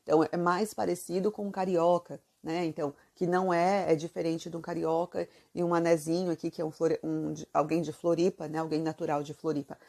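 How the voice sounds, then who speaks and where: A woman's voice: sits low, level tone, fairly quick, creaky, few pauses, darkish tone. A woman from southern Brazil with a Santa Catarina accent, teaching Italian in a chatty video lesson and asking the viewer lots of questions. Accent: Santa Catarina Brazilian Portuguese. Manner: chatty, asks the viewer many questions, many fillers.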